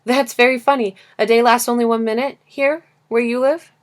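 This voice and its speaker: A woman performs a small, serious boy from a storybook. The voice sits higher and is gently persistent, with earnest curiosity and plain, thoughtful phrasing. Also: fairly even intonation, moderate pace, lightly acted. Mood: curious, puzzled. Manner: earnest questioning, simple and thoughtful. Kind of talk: storybook character reading.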